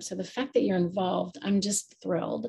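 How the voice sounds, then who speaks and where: With a dark, mellow tone, this somewhat breathy voice shows ordinary pitch variation. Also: woman. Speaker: participant. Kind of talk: sharing comments. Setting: video call.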